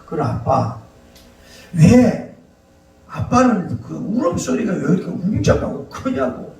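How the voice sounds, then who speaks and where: A small, curious chick asks one innocent question after another, as a preacher puts him on. The voice is gravelly and heard from a distance in a roomy, echoing space. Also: male voice, sits high, big pitch swings, slow pace, a little mellow, slight background noise, exaggerated voice. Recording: echoey hall, distant mic.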